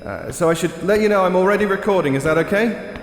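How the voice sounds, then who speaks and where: A man's voice: high voice, fast talker, close to an everyday voice. An actor playing a polite, nervous, hesitant male interviewer in a horror audio drama. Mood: uneasy politeness. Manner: hesitant, stammering, awkward. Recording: echoey hall with faint noise.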